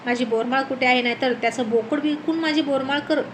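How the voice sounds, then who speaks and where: A sharp-tongued village schemer flings shrill, high accusations in a spoken storybook, as a woman narrator puts her on. Her voice rides high and pushes loud on the taunts. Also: brisk, a little hiss or hum, lightly acted. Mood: lying.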